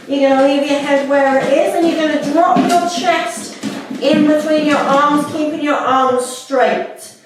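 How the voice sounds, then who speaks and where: Woman instructor, a bit congested, high and unhurried; echoey room. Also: fairly even intonation, background noise. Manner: warm, unhurried cueing. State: slightly stuffy from a cold. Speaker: fitness instructor. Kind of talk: guided workout instruction. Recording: echoey room, mic at a distance.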